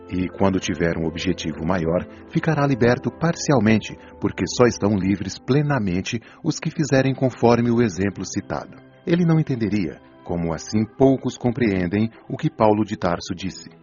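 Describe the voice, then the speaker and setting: An actor playing a wise, patient spirit mentor, teaching in a measured, solemn way in an audiobook drama. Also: male voice, fairly low pitch, lively intonation, darkish tone, lightly acted. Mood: solemn explaining. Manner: didactic, measured, solemn explanation. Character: wise, patient male spirit mentor explaining life's truths. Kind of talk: audiobook radio drama acting. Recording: dull lo-fi audio over music.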